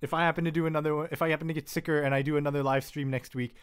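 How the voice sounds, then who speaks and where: A man's voice: fairly high pitch, little pitch movement, very fast, clean tone. A man hosting a casual live-stream tutorial, rambling and correcting himself with lots of "um" and "like", with jokey asides. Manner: laid-back, jokey asides. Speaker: live-stream host teaching vocal synth tuning. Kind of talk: casual technical walkthrough.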